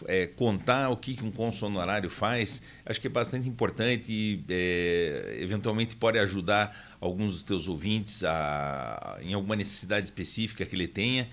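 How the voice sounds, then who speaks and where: Fifties guy from paraná on a radio show, low voice, lots of uh and restarts. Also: moderate pace, few pauses, a bit bright. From Paraná, Brazil. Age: 50s. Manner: hesitant, many fillers and restarts. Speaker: guest, honorary consul. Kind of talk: radio interview. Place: radio studio.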